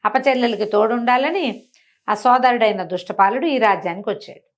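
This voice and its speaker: A woman's voice: a little high, brisk, highs cut off. A woman storyteller telling a folk tale conversationally to a listener, explaining as she goes and acting out the characters' dialogue. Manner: colloquial, explanatory, acts out characters' dialogue with asides.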